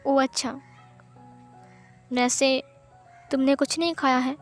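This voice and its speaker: A woman's voice: high voice, fairly even intonation, slow pace, faint music behind. A woman voicing a caring, protective young man who coaxes and soothes, in a storybook reading. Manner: soothing, coaxing questions.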